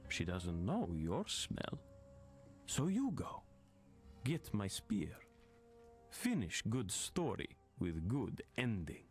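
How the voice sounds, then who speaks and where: Animated tribal spear hunter, broken English. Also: male voice, on the low side, takes it slowly, pauses often, soft background music, exaggerated voice. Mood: insistent. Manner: broken English, simple short declarations. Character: boastful tribal spear hunter and storyteller man. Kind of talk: video game character dialogue.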